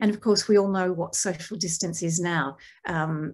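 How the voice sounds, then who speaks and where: A woman with an Australian accent at medium pitch and moderate pace, ordinary pitch variation, quiet background. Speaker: professor leading a workshop session. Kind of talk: academic seminar facilitation. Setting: video call.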